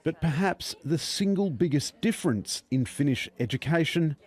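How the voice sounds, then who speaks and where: A man giving scripted documentary narration in a measured, explanatory way. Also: a little high, animated, darkish tone, husky.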